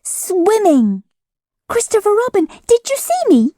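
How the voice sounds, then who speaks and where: A woman voicing a tiny, excited young male kangaroo who squeaks and boasts. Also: measured pace, no echo, studio quality, full character voice. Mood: excited boasting.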